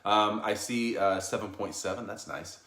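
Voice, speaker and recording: Very deep-voiced man co-host. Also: normal speed, a bit bright. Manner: easygoing, rambling with many fillers. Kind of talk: casual chat. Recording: echoey room.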